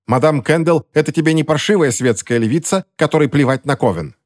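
A man voicing a stern, contemptuous old witch in a sharp, scolding manner. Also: a little high, brisk, voice pushed up, close to an everyday voice. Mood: scornful scolding.

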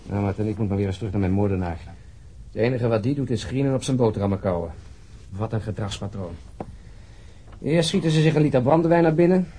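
An actor playing a world-weary police detective in a radio drama, grumbling in a sardonic way. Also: male voice, lowish voice, expressive, quick pace, dark tone, slightly rough.

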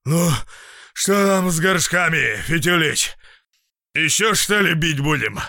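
A man voicing a gruff, condescending host who talks down to a guest. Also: mid-range voice, animated, a little slow, sharp tone, no room sound, studio quality. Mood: mocking.

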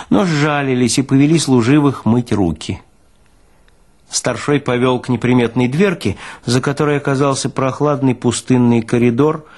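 A man reading literary prose as a narrator, with expressive, deliberate phrasing. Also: medium pitch.

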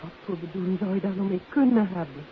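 A woman's voice: lowish voice, fast talker, close to an everyday voice. A woman playing a detective's wry, inquisitive wife in 1950s Dutch radio drama style. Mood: wry, musing. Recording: tinny, faintly noisy old radio recording.

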